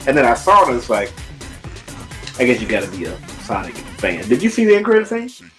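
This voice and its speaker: A man's voice: mid-range voice, very animated, brisk, soft background music. A man chatting casually as co-host of a movie review, repeating phrases for emphasis.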